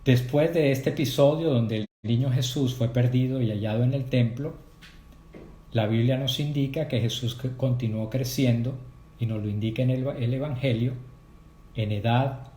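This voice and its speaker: A man leading a prayer group, giving a measured, explanatory talk on faith and addressing his listeners directly. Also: medium pitch, dark tone, echoey room, slight background noise. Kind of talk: catechetical talk.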